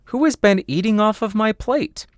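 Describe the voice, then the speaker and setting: A man voicing excitable, kind-hearted little dwarves from a storybook in an exclamatory way. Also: sits high, normal speed, dry recording, clean studio sound, pitched above the performer's own voice, natural voice. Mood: indignant.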